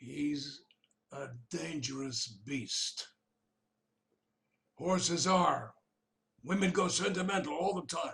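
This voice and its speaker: In a raspy, put-on character voice, a man talks at a fairly high pitch and a fairly slow pace, with ordinary pitch variation and long, frequent pauses. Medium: stage play. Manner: blunt, drawling.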